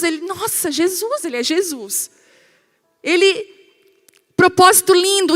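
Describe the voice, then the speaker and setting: Brazilian lady pastor preaching, high voice, lots of hall reverb, chatty storytelling with the crowd. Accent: Brazilian Portuguese. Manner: animated storytelling, addresses the congregation directly. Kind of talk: sermon.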